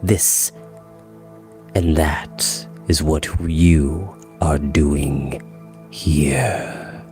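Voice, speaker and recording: A man voicing a tall, menacing villain in a story, with a cold, deep voice and slow, softly deliberate delivery. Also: faint music behind, exaggerated voice. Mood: cold, threatening. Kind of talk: dramatic audiobook character reading.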